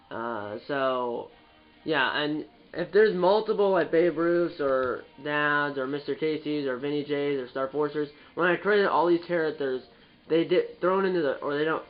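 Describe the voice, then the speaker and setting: A man's voice: fairly high pitch, lo-fi sound. A young man with a stuffed-up, nasal voice hosting a gaming video, rambling casually with frequent restarts and self-corrections. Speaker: gaming channel host. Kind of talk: casual gameplay commentary.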